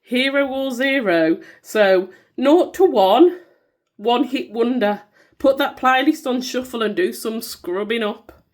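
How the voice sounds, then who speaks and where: A woman's voice: on the high side, lively intonation, slow. A woman with a Black Country accent, bunged up and nasal from a cold, chatting casually and informally as she walks through products she has made. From Black Country, England. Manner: informal, self-deprecating, given to singing bits. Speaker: small-business content creator showing her products.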